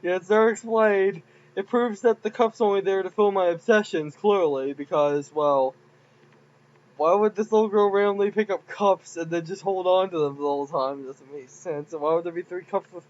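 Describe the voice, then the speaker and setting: A man's voice: high-pitched, normal speed, dull audio. A man casually commenting on his own game files, rambling and giggly. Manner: rambling, giggly, self-mocking. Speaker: game modder.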